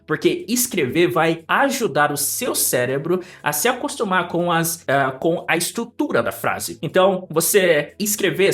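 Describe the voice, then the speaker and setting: Guy english teacher explaining to the viewer, kinda high voice, bouncy intonation. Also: fairly bright tone. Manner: talks straight to the viewer, voicing their doubts. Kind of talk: casual video lesson.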